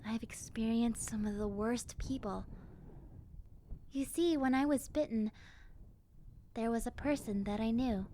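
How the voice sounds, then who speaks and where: Woman voicing a slow, sweet, high-pitched zombie girl. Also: a little hiss or hum. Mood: sad, hurt. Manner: soft, hesitant, sighing, childlike sincerity. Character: friendly, gentle, wistful young zombie girl survivor. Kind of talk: roleplay audio drama monologue.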